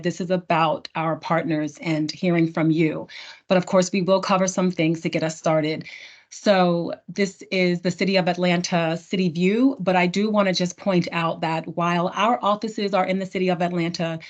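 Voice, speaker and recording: Chatty woman hosting a video call. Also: lowish voice. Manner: chatty, filler-heavy, self-correcting. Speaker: trainer hosting a virtual town hall. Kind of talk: casual presentation to partners. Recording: dull lo-fi video call audio.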